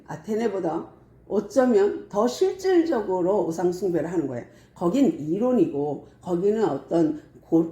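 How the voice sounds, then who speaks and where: A woman pastor preaching a sermon, telling the story in a lively way and acting out the scenes. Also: lowish voice, reverberant.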